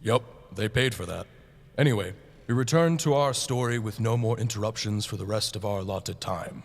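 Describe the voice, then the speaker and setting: A man's voice: fairly low pitch, moderate pace, gravelly. A young adult man narrating a scripted fairy tale for live radio. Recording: plucked guitar music behind. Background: prominent live guitar music.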